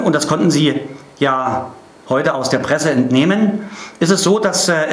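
A man's voice: fairly high pitch, roomy sound. A middle-aged man delivering a political statement to camera as a party spokesman.

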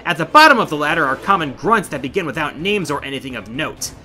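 A man's voice: on the high side, big pitch swings, quick pace, sharp tone. A middle-aged man hosting a countdown in scripted video essay narration, with an emphatic, theatrical delivery. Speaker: video game countdown host.

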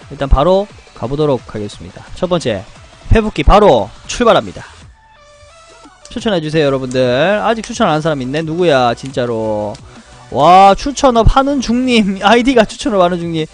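A young man commentating his game card and pet draws, greeting viewers and chanting loudly when good results come up. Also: medium pitch. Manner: animated, chants and shouts at good pulls. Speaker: game streamer. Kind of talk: excited gacha pull commentary.

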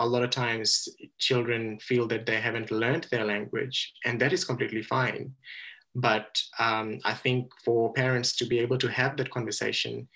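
A man's voice: mid-range voice, sharp tone, low-quality recording. A man in his thirties from Fiji, reading his children's book aloud and then talking about it with many hesitations, on a laptop webcam call from a small room at home. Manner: hesitant, many ums while speaking freely. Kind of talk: reading aloud and casual talk. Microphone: laptop webcam video call.

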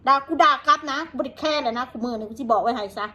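Woman, Isan accent, high voice, coarse, cursing, combative rant to viewers. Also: very fast, sharp tone, muffled recording. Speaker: vlogger.

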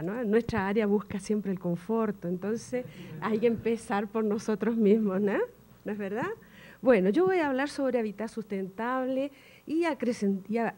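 Older woman lecturing with a dark voice. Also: mid-range voice. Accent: Portuguese-tinged Spanish. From Chile. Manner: relaxed, chatty, tags sentences with "¿no?". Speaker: guest lecturer. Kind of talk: academic lecture. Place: university auditorium. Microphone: table mic.

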